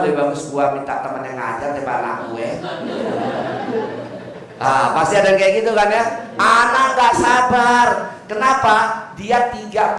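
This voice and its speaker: An older man gives a lively Buddhist sermon with a fairly high voice. He jokes and keeps checking that his audience agrees. The sound is echoey and distant, with a faint hiss underneath. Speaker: Buddhist Dhamma speaker. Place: temple hall. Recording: echoey hall, distant mic.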